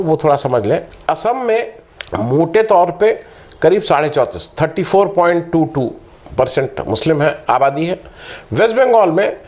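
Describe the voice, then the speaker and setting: A middle-aged political commentator with a slightly high, slightly mellow voice lectures to camera. He reels off statistics, with fillers and restarts along the way.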